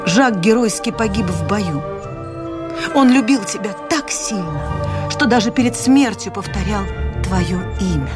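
A woman reading the part of an old male former soldier, speaking quietly and sadly in a radio fairy tale. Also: mid-range voice, animated, a little slow, over music, natural voice. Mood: sorrowful.

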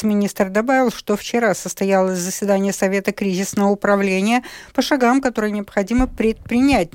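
A woman reading scripted radio news in a measured, even way. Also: medium pitch, dry recording. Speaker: radio newsreader. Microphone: studio microphone. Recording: dry close studio sound.

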